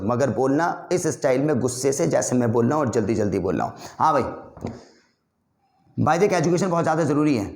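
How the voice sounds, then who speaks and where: A man teaching spoken English, coaching his viewers in an energetic, friendly classroom style. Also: mid-range voice, roomy sound.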